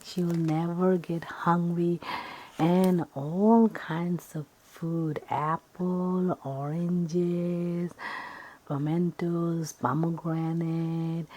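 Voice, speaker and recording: A woman telling an ASMR story softly and breathily, often slipping into whispers, in a rambling, improvised way with repeated phrases and lists. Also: sits low, rough recording.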